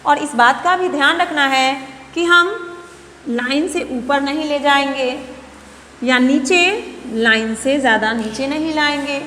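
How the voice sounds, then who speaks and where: A woman's voice: high-pitched, a little slow, sharp tone, roomy sound, in a large hall, slight background noise. A woman teaching a nursery writing lesson, explaining each stroke patiently and repeating steps with coaxing questions to the children. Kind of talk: slow, patient classroom instruction.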